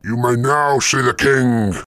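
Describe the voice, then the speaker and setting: A man's voice: mid-range voice, fairly even intonation, slow pace, over music. A man doing a grumpy old goat. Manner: grumbling, moaning. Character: grumpy old male goat guarding a castle.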